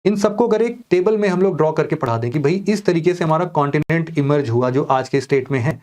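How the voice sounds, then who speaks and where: A man's voice: fairly high pitch, quick pace, a little mellow. A man teaching exam aspirants, explaining a course plan in a conversational way and mixing in English words. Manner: conversational, mixing English words into Hindi, addressing students directly. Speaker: online exam coaching teacher. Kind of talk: explaining a course schedule to students.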